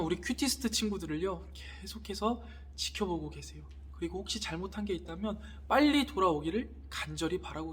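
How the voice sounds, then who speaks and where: A man in his thirties, a youth pastor, giving an earnest sermon to teenagers with gentle, polite appeals. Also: sits high, husky.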